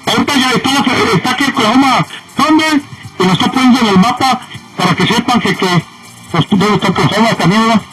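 A man's voice: extremely high pitch, quick pace, fairly bright tone, far from the mic, soft background music, poor audio. A man calling in to a sports radio show, from Mexico, talking casually and stammering through many restarts. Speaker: caller.

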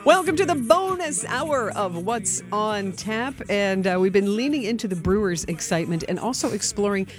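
A woman's voice: medium pitch, expressive, moderate pace, hardly any pauses, faint music behind. A woman hosting a radio interview, upbeat and chatty as she introduces her guest. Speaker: radio host.

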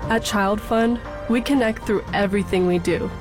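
A woman's voice: medium pitch, fairly even intonation, music in the background. A woman narrating a charity advertisement in a heartfelt voice-over. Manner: slow, heartfelt.

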